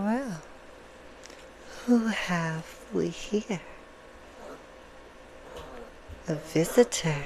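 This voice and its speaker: A woman voicing a seductive, courtly vampire hostess for ASMR, soothing and sinister, in a slow, hushed half-whisper. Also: lowish voice. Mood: intrigued, sly. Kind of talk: ASMR roleplay, bedtime storytelling. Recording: clear background noise.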